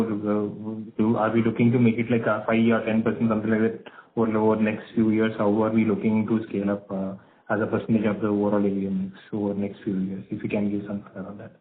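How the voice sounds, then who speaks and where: A man's voice: fairly low pitch, flat delivery, quick pace. A man, an analyst on an earnings call, asking his questions in a rambling way, full of "like" and "you know". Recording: tinny phone line.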